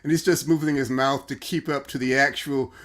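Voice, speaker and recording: A man's voice: medium pitch, steady tone, brisk, fairly bright tone. A man hosting a casual livestream debate, rambling playfully and laughing often as he questions his guest over a video call. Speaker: host.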